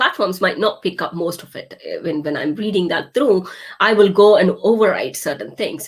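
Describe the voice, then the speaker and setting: A woman's fairly high voice with a non-native accent, lively intonation and a moderate pace. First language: not English. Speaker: online business coach. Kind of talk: live webinar masterclass. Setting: live online group session. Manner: halting, many fillers and repeats.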